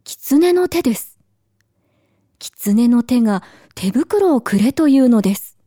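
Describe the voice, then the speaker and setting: High, mellow woman reading a storybook. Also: lively intonation, no room sound, studio quality. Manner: gentle, measured storytelling. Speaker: narrator.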